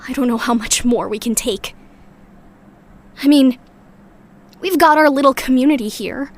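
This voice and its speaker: In a sci-fi audio drama, a woman with a fairly high voice plays a weary but loyal member of an underground community. She speaks at a normal pace, reflective and earnest, sounding doubtful and frustrated.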